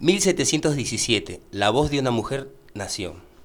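A man speaks with lively intonation. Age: 40s. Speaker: luthier and Afro-Peruvian musician. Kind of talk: casual radio interview. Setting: radio studio.

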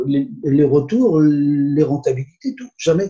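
This man's fairly high voice is somewhat breathy, with a dark, mellow tone and lively intonation. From northern France (Haute-Normandie, Gisors). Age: 70s. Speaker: retired business owner, online seller. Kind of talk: interview. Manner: halting, many repetitions and hesitations.

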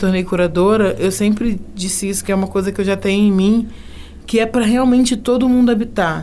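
A woman with medium pitch and fairly even intonation is heard with audible room echo and noticeable background noise. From Rio de Janeiro, Penha (Brazil). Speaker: theatre curator. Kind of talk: casual interview.

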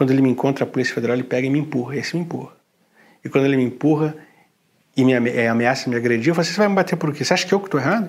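A man talks at a very fast pace. His pitch sits in the middle range and varies in an ordinary way. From Brazil, Curitiba (Paraná). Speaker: investigative journalist. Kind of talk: interview testimony.

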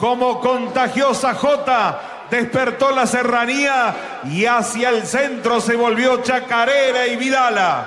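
Over noticeable background noise and audible room echo, a man with an extremely high pitch speaks at a very slow pace in a monotone, flat intonation, with very even loudness and hardly any pauses. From Argentina. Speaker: festival announcer. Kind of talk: scripted poetic narration.

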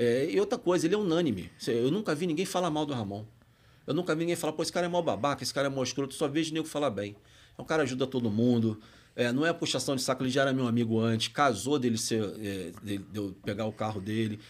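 A man in a Rio de Janeiro accent, medium in pitch, speaks very fast with lively intonation on a very clean recording with a silent background. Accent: carioca. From Rio de Janeiro, Zona Norte. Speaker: rideshare driver. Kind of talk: casual chat. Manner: quiet.

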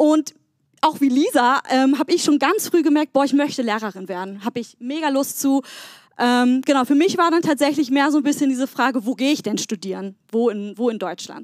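A woman talks at a fairly quick pace with a high pitch and lively intonation. The sound is dry and close with no echo. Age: 20s. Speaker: young church member giving a sermon. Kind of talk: sermon.

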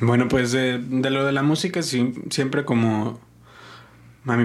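In a room with audible echo, a man talks at a medium pitch with monotone, flat intonation. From Guadalajara and Michoacán, Mexico. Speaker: host's fiancé. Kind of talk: casual chat. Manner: quiet.

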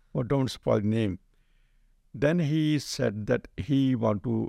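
A man with a Punjabi accent has a dark, mellow tone. The sound is dry and close, with no echo. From Punjab, India. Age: 70s. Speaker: retired bus driver, Sikh community figure. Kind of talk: interview, storytelling. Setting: in person, studio.

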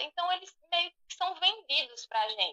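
A raised, projected voice with a bright, sharp tone moves at a moderate pace. The pitch swings very widely, and the sound is dry and close with no echo. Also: woman. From Brazil, interior of Pernambuco (Northeast). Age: 20s. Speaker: K-pop fan. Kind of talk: casual interview.

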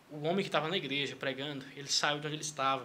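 With a bright, sharp tone and fairly even intonation, a man speaks at a fairly high pitch amid audible room echo. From Goiás, Brazil. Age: 20s. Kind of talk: casual interview with preaching.

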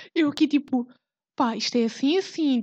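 A woman with a European Portuguese accent speaks at a moderate pace, with a high pitch and a dark, mellow tone. The sound is dry and close, with no echo. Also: quiet background. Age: 20s. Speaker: podcast host. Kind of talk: casual monologue. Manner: informal, filler-heavy.

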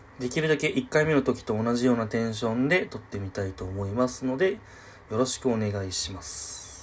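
The intonation is lively and the pace fairly quick. It is a normal speaking voice. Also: man, medium pitch for a man. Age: 30s. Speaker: wrestling podcast host. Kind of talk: casual solo review podcast. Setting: internet cafe booth.

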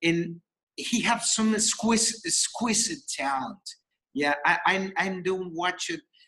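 At a fairly slow pace, a man with a Spanish accent uses a raised, projected voice that is high-pitched with a bright, sharp tone and ordinary pitch variation. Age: 60s. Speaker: tennis instructor. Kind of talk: interview. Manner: halting.

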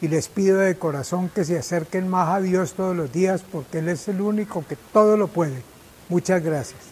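At a moderate pace, a man speaks in a high pitch. His pitch variation is ordinary. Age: 60s. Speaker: church member. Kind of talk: testimony.

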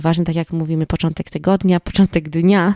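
Her voice has a dark, mellow tone and a fairly low pitch. This woman speaks at a fairly quick pace with fairly even intonation. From Poland, Olsztyn. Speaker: podcast host, abuse survivor. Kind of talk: casual solo podcast talk.

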